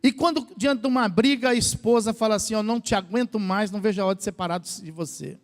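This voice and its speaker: A man's voice: high voice, fast. A Brazilian man, a pastor, preaching a sermon to his church, asking the congregation questions and acting out what people say. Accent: Brazilian Portuguese. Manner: asks the congregation questions, acts out quoted voices. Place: church hall. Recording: long church reverb.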